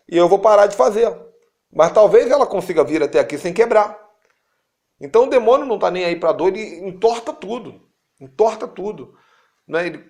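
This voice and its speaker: A man with a Brazilian Portuguese accent giving an informal spiritual teaching, animated and repetitive, speaking straight to his listeners. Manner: animated, acts out quotes with sudden high-pitched jumps; repeats words for emphasis, addresses listeners directly. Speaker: apostle teaching a course.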